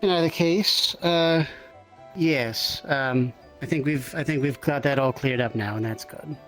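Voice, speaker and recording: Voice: mid-range voice, measured pace, fairly bright tone, lightly acted, low-quality recording. A performer playing a mild, bookish potion researcher in an improvised fantasy roleplay, polite, hesitant and rambling. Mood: thoughtful, hesitant. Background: music.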